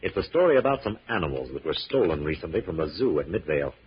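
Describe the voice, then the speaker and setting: A confident scientist-investigator from a 1940s radio play, with a low, very husky voice. He speaks with precise, commanding authority on a muffled old recording. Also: sing-song, quick pace, heavily acted. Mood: thoughtful, assured. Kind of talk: 1940s radio drama acting.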